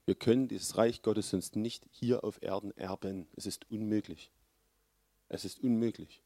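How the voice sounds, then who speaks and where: Dark-voiced man preaching. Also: no room sound, studio quality. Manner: earnest, loud emphasis then dropping low. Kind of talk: sermon.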